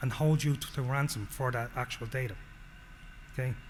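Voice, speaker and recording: Noticeable background noise surrounds a man with an Irish accent. He talks at a moderate pace with ordinary pitch variation. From Ireland. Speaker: solutions engineer. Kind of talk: presentation.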